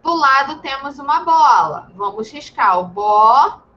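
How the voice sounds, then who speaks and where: A Brazilian woman teaching young children over a video call, patient and gentle, calling pupils sweet names. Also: high voice, expressive, measured pace, lo-fi sound, slight background noise. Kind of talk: online class for young children.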